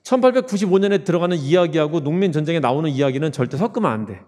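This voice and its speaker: A man's voice: a little high, expressive, racing, a little mellow. A man teaching Korean history in a casual exam-prep lecture, keeps asking the class questions and answering them himself. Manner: casual, chatty with jokes to aid memory.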